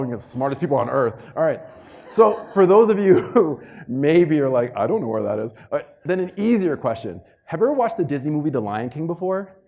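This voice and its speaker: A man giving a motivational keynote to an audience, telling stories in an animated, emphatic way and acting out dialogue. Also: medium pitch. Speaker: keynote speaker. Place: live talk before an audience.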